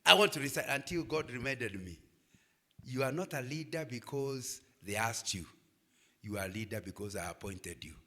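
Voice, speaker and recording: An older man with a Kenyan accent giving an animated Christian leadership talk to students, often asking if he is getting through. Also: medium pitch, normal speed. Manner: animated preaching, asks "Am I communicating?". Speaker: guest speaker.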